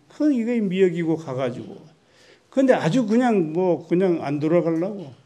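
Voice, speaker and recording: A man with a high pitch and a dark, mellow tone speaks at a fairly slow pace with lively intonation. The room echo is audible. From Korea, Gyeongsang-Chungcheong border near Gubyeongsan. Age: 70s. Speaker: poet. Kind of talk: public lecture. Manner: conversational, repetitive.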